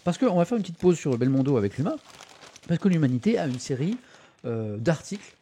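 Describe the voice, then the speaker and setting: A man hosts a casual press review on a live stream, reading articles aloud and tossing chatty asides to his viewers, full of fillers and hesitation sounds. His fairly high, mellow voice is very animated and fast, with slight background noise.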